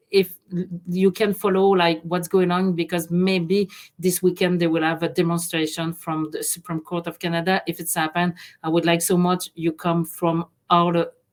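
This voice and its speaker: The woman's pitch is fairly low, and she talks at a moderate pace. Her delivery is monotone and flat. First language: French. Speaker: lawyer. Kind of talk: interview. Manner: halting.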